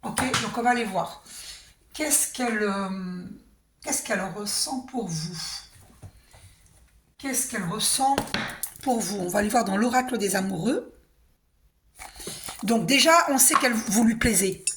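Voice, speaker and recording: A hoarse woman giving a casual, reassuring spiritual card reading, often clearing her throat and asking "d'accord?". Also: mid-range voice, unhurried, long pauses, background noise. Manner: chatty, reassuring, tag questions like hein and d'accord. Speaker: tarot and oracle card reader.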